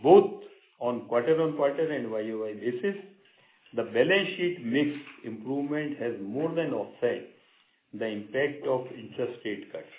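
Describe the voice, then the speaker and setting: Male bank executive, Indian accent, formal measured read of prepared results, thin phone-line audio with room echo. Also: medium pitch, lively intonation. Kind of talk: formal prepared earnings-call remarks. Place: conference call line. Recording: roomy, narrow phone-line sound.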